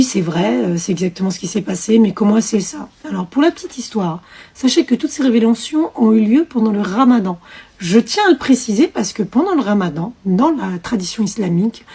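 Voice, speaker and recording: Woman, young adult, emotional testimony, husky voice, quoted dialogue. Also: mid-range voice, dark tone. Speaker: convert telling her testimony. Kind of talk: personal testimony.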